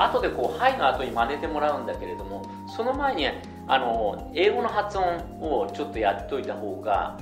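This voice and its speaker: A man teaching a song in a chatty, relaxed way, modelling English lines slowly for students to repeat. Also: medium pitch. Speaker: singing teacher. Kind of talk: vocal lesson with call-and-response. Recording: echoey room with faint music.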